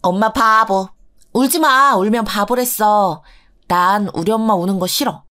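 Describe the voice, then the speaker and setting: A woman's voice: medium pitch, measured pace. Lady doing cheeky upbeat teen kids, teasing their mom, story reading. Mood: cheerful. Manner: bright, cheeky and encouraging. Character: cheerful teenage son and daughter.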